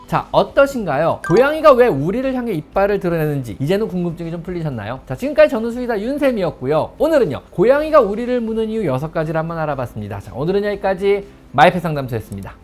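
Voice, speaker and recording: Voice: medium pitch, big pitch swings, fast, hardly any pauses, soft background music. A veterinarian hosting a pet-care talk, explaining in an emphatic way and stretching the ends of phrases.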